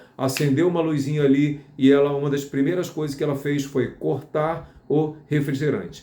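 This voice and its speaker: At a moderate pace, this speaker delivers words in a dark, mellow tone. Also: man. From Brazil, Campos (Rio de Janeiro state). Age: 60s. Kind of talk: motivational talk.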